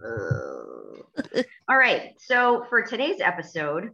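A woman's voice: fairly low pitch, huge pitch swings, slow, vocal fry, bright, forceful tone, highs cut off. A woman attorney hosting a casual podcast, quizzing her co-host with dry, blunt teasing.

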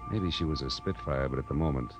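Very deep-voiced hard-boiled private eye. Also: male voice, fast talker. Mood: wry narration. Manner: wry, slangy, tough. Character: hard-boiled, wisecracking male private detective. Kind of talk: 1940s radio detective acting and first-person narration. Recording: old radio drama with music.

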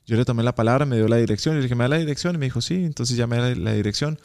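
Young Mexican man, casual interview guest, lively storyteller who acts out quoted lines. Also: medium pitch, racing, creaky. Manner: animated, acts out quoted dialogue.

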